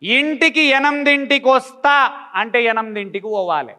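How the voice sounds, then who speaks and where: A man's voice: extremely high pitch, moderate pace, pushed and bright, clear, resonant tone. A man giving a blunt motivational talk, full of repeated rhetorical questions. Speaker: motivational speaker.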